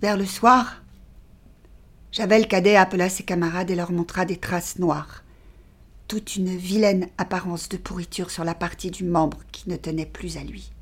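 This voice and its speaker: A woman performing a dramatic literary reading of a short story, measured and sinking to a near-whisper in grim passages. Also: lowish voice, fairly even intonation, husky.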